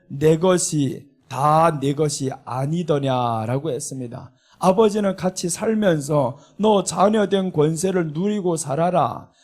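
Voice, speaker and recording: A middle-aged pastor with a Seoul Korean accent preaches a sermon, earnest and emphatic. His voice is fairly high-pitched with a darkish tone, and it rises when he expresses indignation.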